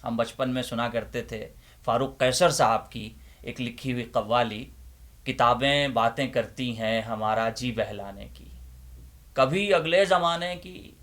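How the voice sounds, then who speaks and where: A man's voice: medium pitch, natural voice. A man playing a kindly uncle librarian, chatting in an avuncular, coaxing way to children and parents as he presents a library segment. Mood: gently pleading. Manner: avuncular, coaxing, gently pleading.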